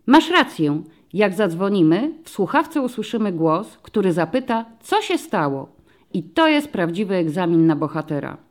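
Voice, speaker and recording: In an audiobook story, a woman performs the part of a male police commissioner who is patient and friendly, explaining things slowly to young children. Her voice sits at a medium pitch with a slightly mellow quality.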